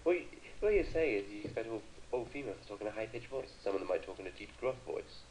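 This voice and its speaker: A man's voice: fairly low pitch, animated, fast talker, a little mellow, slight background noise, rough recording. A British man chatting on a call, teasing his friend with dry banter. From Britain. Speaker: co-commentator on a call. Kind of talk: casual chat.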